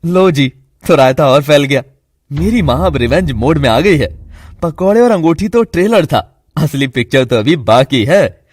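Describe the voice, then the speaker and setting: A wry, chatty young son closing out a cartoon episode, talking straight to the viewers in a lively, slightly high voice, as a man plays him. The sound is dry and close. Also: normal speed, no echo. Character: wry young adult son hosting the outro.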